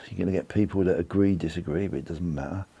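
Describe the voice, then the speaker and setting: With a British accent, a man speaks in a very deep, low voice with a dark, mellow tone and ordinary pitch variation. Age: 60s. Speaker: precious metals and whisky YouTuber. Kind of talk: casual chat. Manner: halting; animated.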